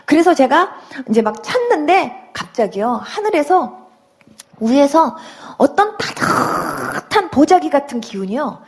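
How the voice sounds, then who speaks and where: A woman giving an emotional religious testimony, telling her story with animated storytelling and acting out her own past words. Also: sits high, unhurried. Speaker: church testimony speaker.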